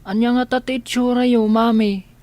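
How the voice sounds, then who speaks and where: A woman voicing a blind young man in an audio drama, asking soft, curious questions. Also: on the high side, fairly even intonation, normal speed, close to an everyday voice. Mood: gentle. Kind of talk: radio drama acting.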